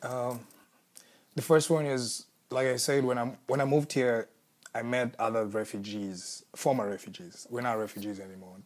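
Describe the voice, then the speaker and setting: A young man from Congo with a Kenyan accent, a musician answering interview questions in a thoughtful, searching way with restarts and soft laughs. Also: medium pitch, steady tone, normal speed. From Congo, raised in Kenya. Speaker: musician, former refugee.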